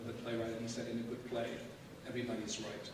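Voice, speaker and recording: A man moderating a live public discussion, asking rambling questions in a hesitant, halting way. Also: mid-range voice, monotone. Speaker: moderator, interviewer. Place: public event hall with audience. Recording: very echoey hall, distant mic, clear noise.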